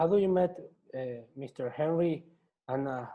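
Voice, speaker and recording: The delivery moves at a moderate pace. The speaker has a Spanish accent. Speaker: YouTube baseball interviewer. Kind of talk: interview. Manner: halting, repeated words.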